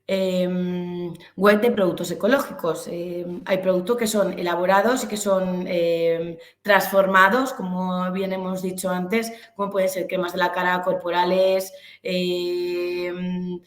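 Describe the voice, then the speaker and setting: A woman's voice: on the low side, level tone, measured pace. A woman from Spain with a Castilian accent giving an informal online lecture, explaining hesitantly and searching for words. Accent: Castilian Spanish. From Albacete, Castilla-La Mancha, Spain. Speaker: webinar presenter, business instructor. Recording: echoey room sound.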